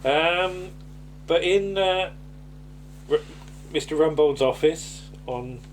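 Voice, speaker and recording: A man's voice: a little high, slow, a little hiss or hum. A man chatting casually as he reviews an episode, hesitant and rambling, often ending on tag questions. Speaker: podcast host.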